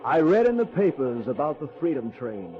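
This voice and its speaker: A man's voice: medium pitch, big pitch swings, normal speed, lightly acted. An actor playing an earnest, questioning Black American everyman, reciting poetry rhythmically and theatrically in folksy dialect for radio drama. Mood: wary hope. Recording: dull old radio recording, music behind.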